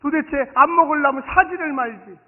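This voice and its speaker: A man preaching a Sunday sermon as pastor, animated, swinging from soft asides to loud exclamations and leading the congregation to repeat after him. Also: very high voice, moderate pace. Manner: acts out dialogue and leads the congregation in call-and-response. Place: church sanctuary. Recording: reverberant hall, thin phone-like sound.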